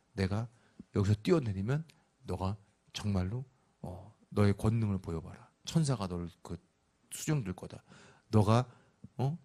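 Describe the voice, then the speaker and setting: A man voicing Satan as a taunting tempter, in a low, commanding voice during a sermon. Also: darkish tone. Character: Satan, a tempting male devil.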